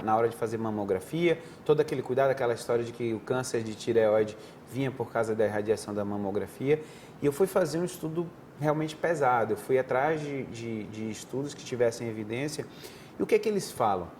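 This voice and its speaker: A male surgeon from Brazil, explaining as a guest at a TV studio desk. His voice sits at a middle pitch for a man. He talks in a patient, teacherly way and often restarts mid-phrase. A faint noise can be heard behind him. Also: darkish tone. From Northeastern Brazil. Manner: didactic, conversational, frequent restarts. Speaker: head and neck surgeon, guest. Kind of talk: explanatory interview answers.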